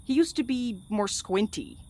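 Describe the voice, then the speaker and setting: A woman's voice: on the high side, animated, measured pace, darkish tone. A woman acting in a fiction podcast as a sardonic, blunt courier with a dry, slangy, wisecracking way of talking. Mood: flustered. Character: sardonic, blunt, irreverent courier and loyal friend.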